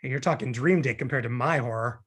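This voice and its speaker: A man's voice: mid-range voice, fast, a bit bright, slightly rough. A man playing a neurotic, wisecracking, talkative single man who gets defensive in a table read of a film comedy. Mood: anxious, exasperated. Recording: remote video-call table read.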